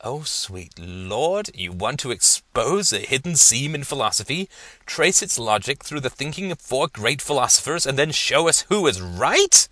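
A man's voice: medium pitch, very animated, moderate pace, sharp tone, dry recording, pitched above the performer's own voice. A man playing a bemused, condescending male professor who exclaims in disbelief. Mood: incredulous. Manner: incredulous, exclaiming.

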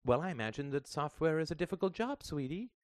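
A man's voice: fairly high pitch, expressive, fast talker, no room sound, clean studio sound, pitched above the performer's own voice, natural voice. A man voicing a tight-lipped mother who sounds strained and evasive.

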